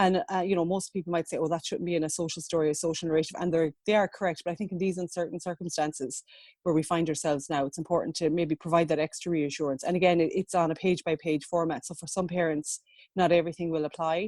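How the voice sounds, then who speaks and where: A woman's fairly low, dark, mellow voice in an Irish accent, monotone and flat at a very fast pace, with a dry, close sound and no echo. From Ireland. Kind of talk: podcast interview. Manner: conversational, with fillers and restarts.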